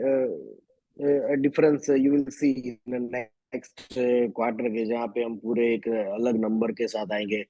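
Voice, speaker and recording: A man with an Indian accent answering as a company executive on an earnings call, halting and often switching between Hindi and English. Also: mid-range voice, mellow. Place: remote conference call. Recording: dull, echoey conference call audio.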